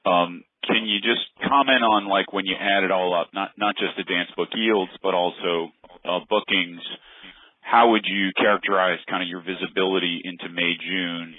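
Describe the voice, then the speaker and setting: A very low male voice comes through a dry, narrow phone connection. He is an analyst asking questions on an earnings call, feeling his way through tentative, hedged phrasing. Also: steady tone, moderate pace, dry recording.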